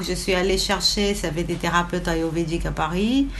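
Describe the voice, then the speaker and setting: With a Portuguese accent, a woman speaks with ordinary pitch variation amid noticeable background noise and audible room echo. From Brazil, São Paulo. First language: Portuguese (speaking French). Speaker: cook and Ayurveda teacher. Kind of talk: interview. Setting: at home. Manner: halting.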